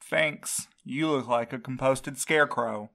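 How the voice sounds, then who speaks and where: A man acts a sleep-deprived young male courier in a fiction podcast. He grumbles and snipes in a mid-pitched voice, sounding snarky and worn out. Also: measured pace, creaky, sharp tone. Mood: snarky, grumbling. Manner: snarky, complaining. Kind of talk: audio fiction podcast acting.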